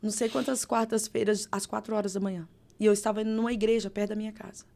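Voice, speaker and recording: A woman pastor with a Brazilian accent, telling her testimony in a podcast interview with expressive, dramatic storytelling. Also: medium pitch, fast talker, creaky, slight background noise. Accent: Brazilian Portuguese. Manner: expressive, dramatic storytelling with vivid reenacted dialogue. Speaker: pastor, guest.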